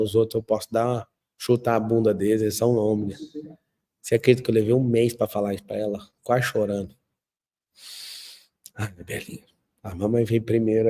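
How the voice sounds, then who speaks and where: A Brazilian man with a dark, mellow voice, telling stories in an emphatic motivational talk. He acts out what others say and moves his delivery between loud bursts and soft, quiet passages. His pitch sits at an ordinary middle level. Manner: emphatic storyteller, acting out quotes and swinging between loud and soft. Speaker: speaker of a motivational talk show. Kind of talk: motivational talk with faith themes and family stories.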